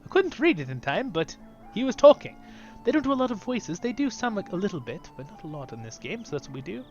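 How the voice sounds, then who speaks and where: An upbeat man with a slightly high voice talks his viewers through a fantasy game in casual, chatty commentary. He drifts now and then into softer asides, with faint music underneath. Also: very animated, fast, muffled recording. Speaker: YouTube channel host.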